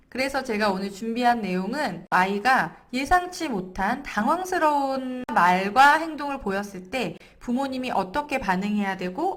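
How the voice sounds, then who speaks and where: A woman in her thirties, a parenting coach, explaining calmly and gently to camera and sometimes acting out what was said. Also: mid-range voice. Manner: gentle, explanatory, acts out quoted lines. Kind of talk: to-camera parenting lesson with personal anecdote.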